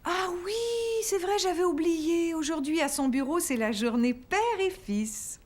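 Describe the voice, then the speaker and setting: A woman's voice: sits high, a little slow, darkish tone. A woman voicing a patient, caring mother in a cartoon dub, talking in a soothing, motherly way. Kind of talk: French cartoon dubbing.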